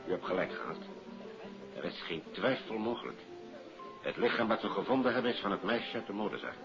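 An actor playing a polite, businesslike police investigator in a 1950s Dutch radio play. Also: male voice, on the low side, lively intonation, brisk, creaky. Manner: formal, courteous, matter-of-fact. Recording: dull old radio recording, music behind.

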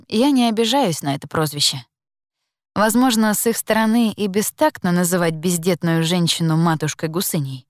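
A woman narrating a first-person story in a calm, measured, reflective reading. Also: medium pitch, no room sound, clean studio sound. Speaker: audiobook narrator.

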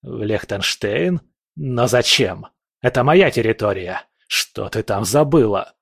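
A man voicing a hoarse, furious male rebel leader who growls through his teeth. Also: lowish voice, expressive, unhurried, no echo, clean studio sound, heavily acted. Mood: bitter. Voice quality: hoarse, raspy.

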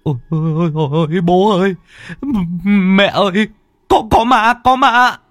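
A man voicing a panicky young man who stammers and wails in a high, breathless voice in a ghost story. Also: a little slow, fairly bright tone, dry recording, studio quality. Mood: terrified. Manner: stammering, shrill wailing.

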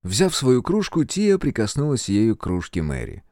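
A man narrating a novel in a measured, expressive storytelling manner. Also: medium pitch, no echo, clean studio sound. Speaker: audiobook narrator. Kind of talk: scripted narration.

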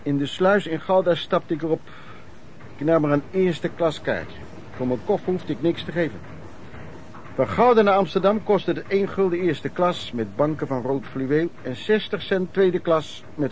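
A man's voice: on the high side, natural voice. An actor playing an old man who chattily recalls his drinking and lodging days in a radio play, repeating himself for emphasis. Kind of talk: radio drama narration, reminiscing.

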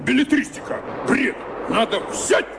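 A man's voice: very high voice, expressive, a little slow, background noise. A man narrating a rhymed folk tale for a radio play in a playful, declamatory theatrical manner. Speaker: storyteller.

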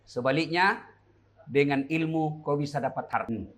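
A man's voice: fairly high pitch, normal speed. A middle-aged man, preaching a humorous sermon to young people with joking asides and rhetorical questions.

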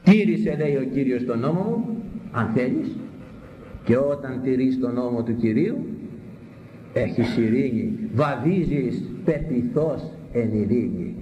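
A man preaching a sermon, repeating words for emphasis and swinging between high exclamations and low, grave phrases. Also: animated, warm tone, muffled recording. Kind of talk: sermon on a Bible passage. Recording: echoey hall, faint background noise.

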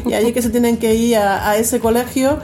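A woman's voice: fairly high pitch, steady tone, fairly quick, mellow. A woman host in casual radio chat, talking about a TV series in a chatty way, laughing easily and often restarting her sentences.

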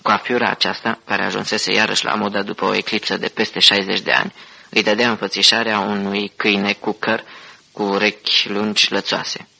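Gravelly man reading an audiobook. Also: fairly low pitch, low-quality recording. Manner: steady, even storytelling. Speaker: audiobook narrator. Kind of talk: audiobook narration.

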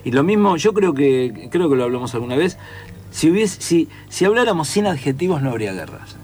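A man's voice: on the high side, big pitch swings, fairly quick, darkish tone, soft background music. A man with a Rioplatense Spanish accent, a writer and teacher in casual conversation, who sings out rhythms to explain his points.

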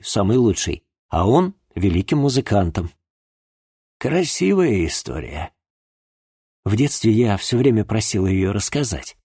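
A man reading the lines of a polite, gentle young pregnant woman in an audiobook, in a soft, courteous storytelling manner. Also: mid-range voice, slightly rough, no echo, studio quality.

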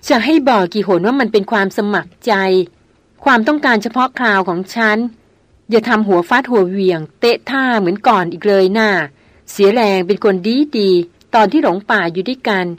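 A proud young noblewoman, headstrong and firm, who keeps insisting on getting her way, as a woman reader voices her. Her mid-pitched voice sounds dry and close, with no room around it. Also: moderate pace, no echo, close to an everyday voice. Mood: insistent.

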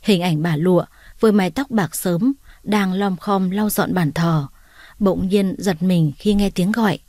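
A woman's voice: lowish voice, a little slow, dark tone, no echo, studio quality. Woman narrating a heartfelt story.

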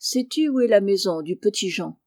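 A woman voicing a kindly, blunt middle-aged male farmer in an audiobook, speaking low and hushed. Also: lively intonation, normal speed, no room sound, studio quality. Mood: gruff. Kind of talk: audiobook character reading.

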